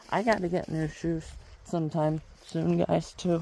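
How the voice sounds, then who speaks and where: A woman speaks with a dark, mellow tone at a very deep, low pitch. Her intonation stays monotone and flat. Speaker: vlogger. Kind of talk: casual vlog narration while hiking. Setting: outdoors on a hiking trail.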